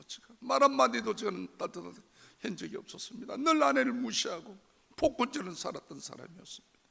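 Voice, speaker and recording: An older man, a church elder, giving an impassioned testimony sermon, his voice swinging between hushed near-whispers and loud cries. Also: sits high, vocal fry, husky. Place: church sanctuary. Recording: long reverb of a church hall.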